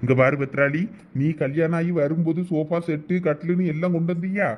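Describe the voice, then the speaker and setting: A man's voice: a little high, fairly even intonation, brisk, muffled recording, lightly acted. A man voicing a patient, placating husband and big brother in a cartoon, coaxing in a Thoothukudi Tamil accent. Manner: coaxing, reasoning. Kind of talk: dialect cartoon family comedy dialogue.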